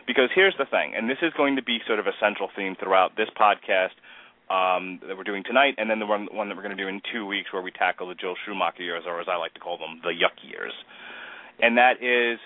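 A man's voice: fairly low pitch, narrow, tinny audio. A man hosting a podcast discussion, talkative and opinionated, steering the conversation. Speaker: podcast host.

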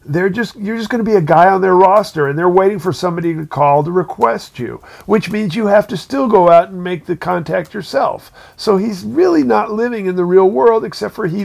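A man's voice: high voice, gravelly. A man co-hosting a casual talk show, rambling with many "you know"s and restarts. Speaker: podcast co-host, working musician. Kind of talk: casual chat.

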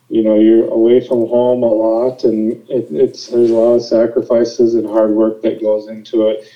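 A young man from Minnesota, a professional angler, answering interview questions in an easygoing, agreeable way with lots of fillers. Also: medium pitch. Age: young adult. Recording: dull lo-fi sound.

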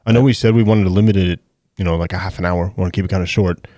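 Mellow, low-voiced podcast co-host. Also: male voice, no room sound, studio quality. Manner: relaxed, agreeable, quick to chime in. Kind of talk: casual podcast chat.

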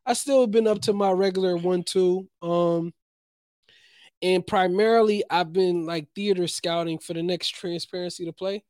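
High-voiced, animated male podcast host. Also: normal speed, no echo. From New Jersey. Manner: animated, rambling storyteller, slangy. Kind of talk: casual podcast chat. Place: Los Angeles.

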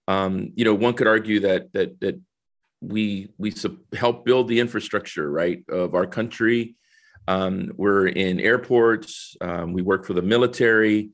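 Earnest middle-aged man, low voice. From El Salvador. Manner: earnest, explains step by step. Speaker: guest, corporate diversity executive. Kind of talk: conversational interview.

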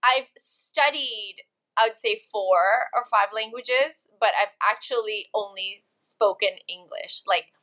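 A woman's voice: mid-range voice, slow pace, bright, forceful tone, rough recording. A woman guest on a podcast interview, chatting about her career with frequent laughs and fillers. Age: adult, career of over two decades. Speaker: podcast guest, actress and TV host. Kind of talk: casual interview chat.

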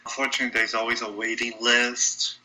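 A man's voice: medium pitch, level tone, fairly quick, sharp tone, a little hiss or hum, poor audio. A man from Brazil with a Brazilian Portuguese accent, whose first language is Portuguese, speaks as a radio show guest, earnest and candid with a wry edge. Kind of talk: casual interview talk.

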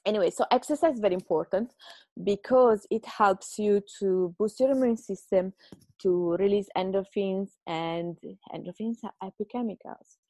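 Brief: Italian woman podcaster, gravelly low-toned voice, chatty and encouraging, dry close sound. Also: normal speed, mellow, no room sound. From Italy. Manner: chatty, self-mocking, encouraging. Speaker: podcast host. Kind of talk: casual advice monologue. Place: home.

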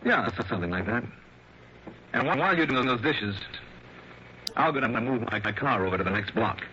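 A man's voice: mid-range voice, expressive, a little fast, bright, forceful tone, a little hiss or hum. An actor playing a hard-boiled male insurance investigator who narrates his own case in a terse, wry manner. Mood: easygoing. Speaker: narrator and lead detective. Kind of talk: 1960s radio drama acting. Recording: lo-fi vintage radio broadcast.

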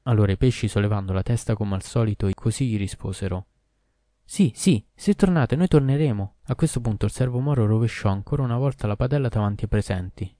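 A man narrating a fairy tale in a steady, measured reading. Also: lowish voice, no room sound, studio quality. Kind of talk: audiobook story narration.

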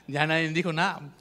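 A fairly high-pitched man. He is animated and playful, and keeps joking with the congregation and asking it questions. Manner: animated, jokey, addresses the congregation directly. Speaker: pastor. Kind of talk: sermon.

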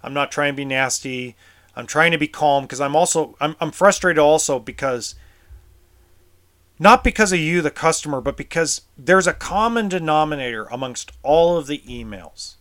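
Frustrated and tense, a man vents in a vlog rant about his work as an RV service technician, cursing and tripping over repeated words. He sounds expressive, on the high side, fairly bright, at a moderate pace.

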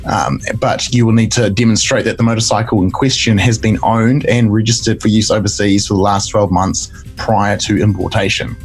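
A man with a croaky, creaky voice after a cough, explaining news conversationally as a podcast co-host. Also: on the low side, steady tone, normal speed, few pauses, faint music behind. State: recovering from a bad cough.

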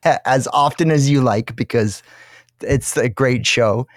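A man's voice: mid-range voice, a little slow, a little hiss or hum. A man hosting a casual interview podcast, joking often and laughing between questions. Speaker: podcast host.

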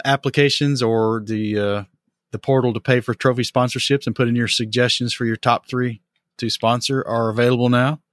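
A man hosting a hobby podcast in a relaxed, upbeat chat, often pausing on small fillers. His voice sits at an ordinary middle pitch. The sound is close and dry, with no room echo. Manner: upbeat, chatty, with frequent fillers. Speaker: podcast host.

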